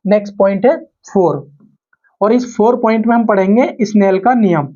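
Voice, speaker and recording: Casting: male exam-coaching teacher, soft dark timbre, repeats points and quizzes pupils, slightly dull recording. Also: high-pitched, moderate pace. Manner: repetitive, asks questions and answers them himself. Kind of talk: classroom lesson to camera. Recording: dull lo-fi audio.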